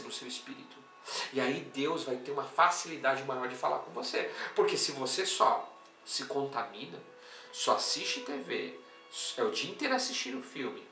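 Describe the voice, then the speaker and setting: Brief: male Brazilian apostle-teacher, sermon delivery, bright voice, echoey room. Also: mid-range voice, a little hiss or hum. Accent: Brazilian Portuguese. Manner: animated, swings between loud exclamations and quiet storytelling. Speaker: apostle teaching a theology class. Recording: echoey room, voice somewhat far from the mic, faint music.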